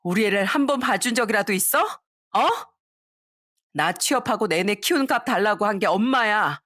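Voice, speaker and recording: A woman voicing an angry wife who scolds her mother in sharp, accusing bursts in a storybook reading. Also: medium pitch, lively intonation, moderate pace, dry recording, clean studio sound.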